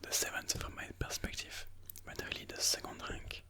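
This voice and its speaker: A person whispering ASMR game commentary in a breathy, mostly unvoiced voice, slowly and soothingly thinking aloud. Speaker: ASMR chess video host.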